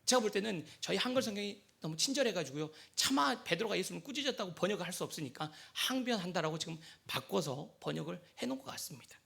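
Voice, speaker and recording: A man pastor preaching a sermon, acting out the disciples' and Jesus' words as lively dialogue. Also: high-pitched, fast talker, gravelly, hardly any pauses.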